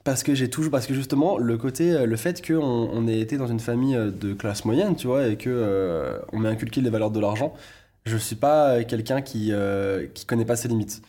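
Young man in his 20s, casual interview guest; hesitant, restarts a lot, mid-pitched voice. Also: normal speed, mellow. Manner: hesitant, many fillers and restarts. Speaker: YouTuber guest.

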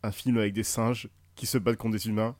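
A man's voice: on the low side, flat delivery, brisk, darkish tone, no room sound. A man co-hosting a podcast, trading dry, teasing, sarcastic remarks in a casual film chat. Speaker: podcast co-host.

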